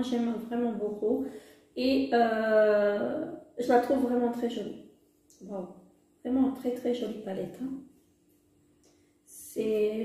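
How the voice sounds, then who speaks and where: A woman's voice: a little high, dark tone. A woman vlogger casually reviewing makeup, gushing with delight and using many fillers. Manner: enthusiastic, repetitive exclamations, many fillers. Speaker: beauty vlogger. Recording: very echoey room.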